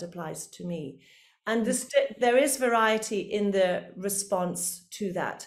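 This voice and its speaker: Her pitch is medium, and the woman's voice shows ordinary pitch variation. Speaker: therapist. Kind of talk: interview. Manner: fast; energetic.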